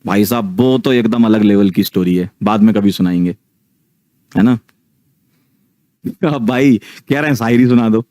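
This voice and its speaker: Chatty low-voiced man telling a story. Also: normal speed, long pauses, warm tone, no echo. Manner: chatty, keeps checking in with the listeners. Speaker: online teacher telling a ghost story. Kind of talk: casual storytelling to a live audience.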